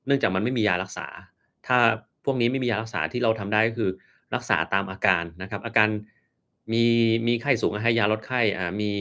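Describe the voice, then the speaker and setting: A man, a doctor, chatting casually on a live stream as he answers viewer questions, explaining at an unhurried pace with many fillers and pauses. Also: on the low side, bright, forceful tone.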